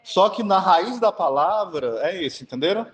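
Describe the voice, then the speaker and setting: A man's voice: sits high, expressive, normal speed. A man from Northeast Brazil with a Cearense accent, preaching an informal teaching sermon and often asking the listeners whether they understand. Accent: Cearense Portuguese. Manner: chatty, keeps asking the audience if they understand. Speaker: Catholic preacher. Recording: long hall reverb.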